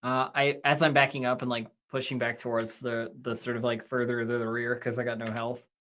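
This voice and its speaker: A man's voice: medium pitch, flat delivery, brisk, a bit bright. A young man playing a tabletop game, casually narrating what his character does over a video call. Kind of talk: casual chat, narrating own character's actions. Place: indoor room at home, on a video call.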